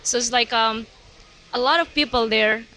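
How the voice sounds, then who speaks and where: A young woman with an Indonesian accent talks at a roundtable, pausing and searching for her words. Her voice is bright and sits a bit high. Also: steady tone, a little hiss or hum, low-quality recording. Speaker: roundtable participant. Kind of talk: casual roundtable discussion.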